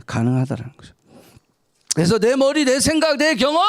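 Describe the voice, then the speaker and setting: A woman pastor preaching a sermon in a church, speaking in a colloquial, dramatic way and mixing in English words. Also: on the high side. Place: church sanctuary.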